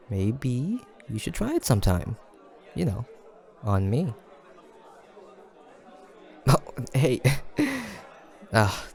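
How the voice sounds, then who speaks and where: A man performs a young male friend in a casual audio roleplay, full of affectionate teasing. His voice sits a little low with a gravelly creak. The delivery is animated and playful, sliding up and down as he banters with the listener. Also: exaggerated voice.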